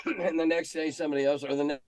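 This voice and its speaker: An older American man telling stories casually in an interview, candid and halting, often clearing his throat. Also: fairly high pitch, steady tone, no room sound. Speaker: interview guest, game industry veteran. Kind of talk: casual reminiscing conversation.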